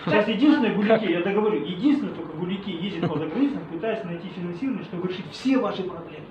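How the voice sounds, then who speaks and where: A man's voice: high voice, very fast, roomy sound, muffled recording. A man representing a company, insistently pleading with an angry crowd.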